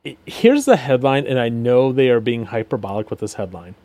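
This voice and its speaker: Male co-host, mid-pitch, sarcastic, filler-heavy, dry close recording. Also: animated, brisk, darkish tone, no echo. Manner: sarcastic, reads headlines and stats aloud with many fillers. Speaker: podcast co-host. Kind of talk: casual political commentary chat.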